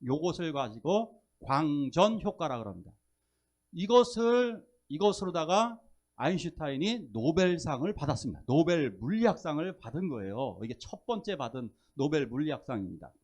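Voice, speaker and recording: During a church service, a male pastor preaches a lively Sunday sermon, asking the congregation questions and joking with them. He talks fairly quickly in a slightly high voice.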